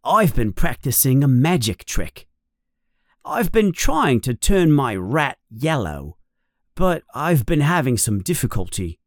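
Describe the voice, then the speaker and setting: A friendly young schoolboy wizard from a storybook, acted out by a narrator. He sounds casual and a little unsure of himself. His pitch leaps around freely, and the sound is dry and close. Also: very animated, unhurried, dry recording. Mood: keen.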